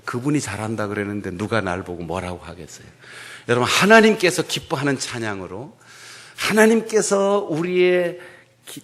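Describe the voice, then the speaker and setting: A male pastor giving a humorous, animated sermon in a church, playing with regional dialects. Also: mid-range voice. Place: church sanctuary.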